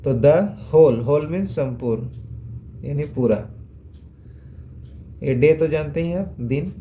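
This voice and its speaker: A man gives a phonics lesson, patiently sounding out letters one by one and asking little checking questions as he goes. His voice is dark and mellow at an ordinary pitch. A faint background hiss sits under the recording. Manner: patient, repeats sounds slowly and asks rhetorical checks. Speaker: English teacher. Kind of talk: phonics lesson explained in Hindi.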